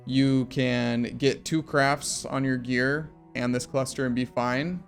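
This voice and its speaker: A man's voice: medium pitch, steady tone, slow pace, creaky, soft background music. A tired young man who is losing his voice, casually walking through a game character build at his computer with lots of ums and uhs. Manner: rambling, filler-heavy explanation. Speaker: game build guide creator. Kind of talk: casual game guide walkthrough. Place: home room at a computer.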